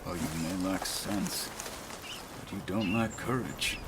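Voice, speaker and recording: An actor playing a proud, reluctant, battle-maimed tribal warrior with a grave, wry delivery in a video game. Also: male voice, low-pitched, a little slow, noisy background. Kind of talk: video game cutscene acting. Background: loud game music.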